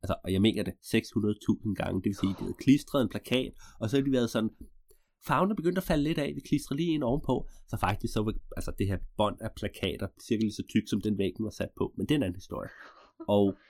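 Male storyteller, low and animated, rambling with deadpan asides; dry, close sound. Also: no room sound. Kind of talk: improvised storytelling.

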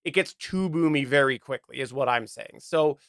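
A man's voice: mid-range voice, normal speed, creaky, a bit bright, no echo, clean studio sound. A man co-hosting a podcast, chatting casually and explaining things in a rambling way. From Canada. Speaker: podcast co-host. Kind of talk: casual chat about audio gear.

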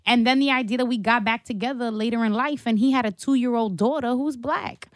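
Young woman activist guest, passionate and slangy, raised pitch, dry close sound. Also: fairly quick, dry recording. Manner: passionate, emphatic, slangy with swearing. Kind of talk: casual interview conversation.

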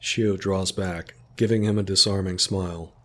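Deep-voiced man narrating a story. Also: steady tone, normal speed, pushed and bright.

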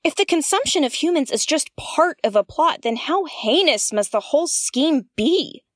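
Earnest, theatrical space investigator. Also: female voice, high-pitched, expressive, no room sound, studio quality. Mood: appalled. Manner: theatrical, articulate, musing with dramatic pauses. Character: Nym, earnest woman investigator hosting her own space mystery show. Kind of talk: audio drama narration, like a spoken field log.

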